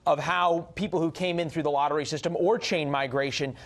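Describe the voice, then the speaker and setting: A man's voice: fairly high pitch, fairly even intonation, fairly quick, gravelly. An American man working as a news anchor, conducting a live political interview.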